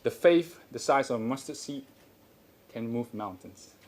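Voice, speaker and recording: A man from Malaysia, a contestant, who talks earnestly and fills pauses with "uh". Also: medium pitch, a crowd in the background, noisy background.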